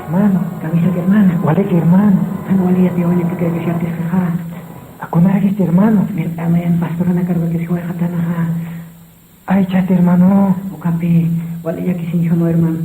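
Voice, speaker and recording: A man's voice: high-pitched, flat delivery, brisk, roomy sound, narrow, tinny audio, a little hiss or hum, close to an everyday voice. A man acting an anxious village church brother bringing news in a Christian radio drama.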